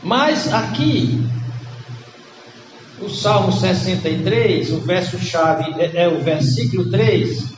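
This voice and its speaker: A Brazilian man preaching a sermon as pastor, with a cold that makes his voice congested, teaching in an unhurried way and stressing key words. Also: high voice. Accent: Brazilian Portuguese. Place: church hall. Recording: echoey hall, dull lo-fi sound, noisy background.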